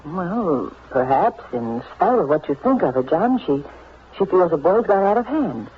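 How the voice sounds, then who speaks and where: An actress playing a gentle, sensible, motherly sweetheart in a radio soap, soothing and a little halting, full of endearments. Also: lowish voice, big pitch swings. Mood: gentle, reassuring. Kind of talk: 1940s radio soap acting. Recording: muffled, noisy old radio recording.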